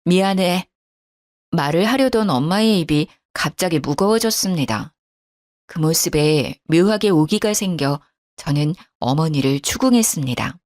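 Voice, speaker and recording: A woman narrating a first-person true-life story in a measured, restrained way, also speaking as the wife. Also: deep voice, animated, darkish tone, dry recording, clean studio sound.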